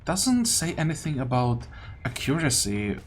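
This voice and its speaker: A man's voice: on the high side, sing-song, unhurried, a little hiss or hum. A man giving casual gameplay commentary, thinking aloud and muttering questions to himself as he plays. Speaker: gaming video host. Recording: game music behind the voice. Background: video game music.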